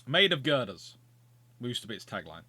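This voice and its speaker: Commenting live on his naval strategy game, a Surrey-accented English streamer jokes around, thinks out loud and restarts himself in casual gameplay chatter. He speaks at normal speed in a sing-song, mid-range voice that is sharp in tone with a breathy edge, on a dry recording.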